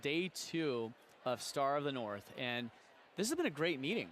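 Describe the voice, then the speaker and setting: A man co-hosting a podcast, telling stories in a lively, excited way from a busy convention exhibit hall. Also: mid-range voice, normal speed, slight background noise. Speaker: podcast co-host. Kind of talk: casual interview chat.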